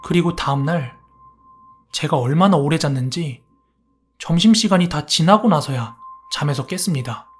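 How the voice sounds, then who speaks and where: A man narrating a first-person horror story in a soft, steady storytelling tone. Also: fairly high pitch, normal speed, pauses often, faint music behind. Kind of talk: calm scripted horror narration.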